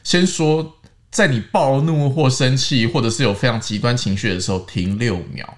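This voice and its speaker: A man with a Taiwanese Mandarin accent, hosting a casual chat where he teaches English words and spells them out. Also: medium pitch. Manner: explains slowly, spells words out. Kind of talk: casual language-lesson chat.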